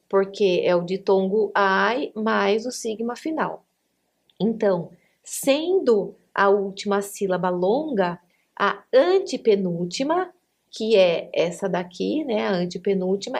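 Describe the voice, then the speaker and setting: A woman's voice: medium pitch, a little mellow. A woman teaching a recorded online class, methodical, asking questions and answering them herself, sometimes correcting herself mid-word. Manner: methodical, asks and answers her own questions. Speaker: Greek language teacher.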